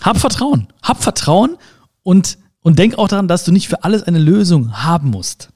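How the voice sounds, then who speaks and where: A man with a high voice, speaking at normal speed, gives an animated, informal motivational monologue. He addresses the listener directly, leaning on rhetorical questions and playful sound words.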